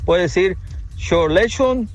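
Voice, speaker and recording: High-voiced man joking with a chuckle. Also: lively intonation, slow pace, faint music behind. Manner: jokey, chuckling.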